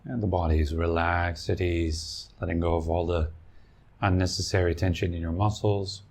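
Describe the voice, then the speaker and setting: Male meditation teacher, low-pitched, giving gentle spoken guidance in short, unhurried phrases with space between them. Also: fairly even intonation. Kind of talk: guided meditation.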